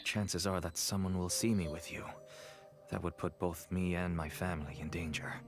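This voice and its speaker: A man's voice: low voice, steady tone, moderate pace. An actor playing a nervous, wheedling male black-market dealer in a video game. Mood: pleading. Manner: pleading, wheedling.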